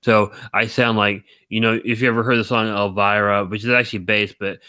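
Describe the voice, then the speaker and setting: A man hosting a live stream, talking in a rambling, teasing way with a deep baritone voice, very tired. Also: level tone, a little fast, pushed and bright, no room sound. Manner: rambling, teasing, laughs often. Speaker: stream host. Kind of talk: casual chat.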